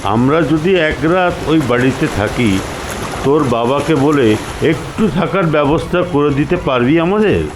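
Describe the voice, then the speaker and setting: A man's voice: on the high side, expressive, measured pace, noisy background. A man narrating a story expressively as the storyteller.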